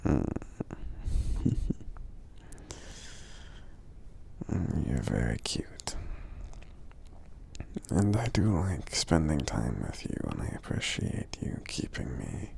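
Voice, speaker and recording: A man voicing a gentle, sleepy, affectionate giant in a soft-spoken ASMR roleplay, murmuring slowly and hesitantly in a gravelly half-whisper. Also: rumbling low, very animated, exaggerated voice. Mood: tired, reassuring. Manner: slow, hesitant, murmuring with frequent hums.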